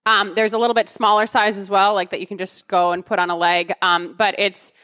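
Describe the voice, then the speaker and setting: A woman co-hosting a podcast in casual chat, talkative and quick to laugh. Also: mid-range voice, level tone, bright, forceful tone. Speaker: podcast co-host.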